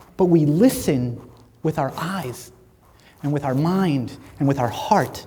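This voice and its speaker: A man with a fairly high pitch speaks at a fairly slow pace, using long, frequent pauses and ordinary pitch variation. Noticeable background noise runs underneath. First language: Spanish. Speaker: inspirational speaker. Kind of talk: motivational speech. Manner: animated storytelling.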